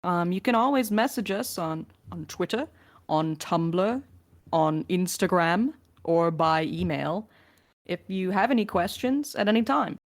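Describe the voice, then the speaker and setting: A woman's voice: on the low side, lively intonation, a little slow. A woman in a casual podcast Q&A, talking playfully as one of the crew fielding questions.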